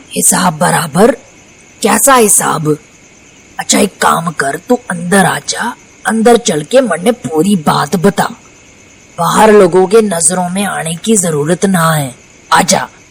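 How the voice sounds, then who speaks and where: A woman speaks in a put-on character voice at a fairly slow pace, her medium pitch moving with lively intonation. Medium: audio drama. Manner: prying, folksy.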